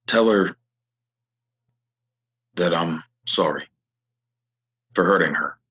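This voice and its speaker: An actor playing a reserved, weary, honorable drifter in a Western audio play, halting and solemn, on a dull recording. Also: male voice, low voice, a bit bright, husky, exaggerated voice. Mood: regretful.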